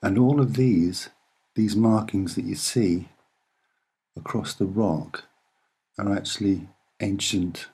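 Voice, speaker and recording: Slow, soft-spoken man with a husky voice. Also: on the low side. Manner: soft-spoken, hesitant and deliberate, with short phrases. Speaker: amateur presenter explaining photographs. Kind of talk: unscripted soft-spoken commentary over images.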